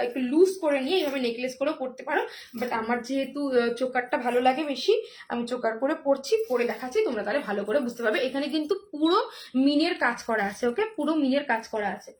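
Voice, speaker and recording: A hoarse woman selling jewellery on a live stream, chatty and repetitive, with many fillers and drawn-out phrases. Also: high-pitched. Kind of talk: live sales pitch.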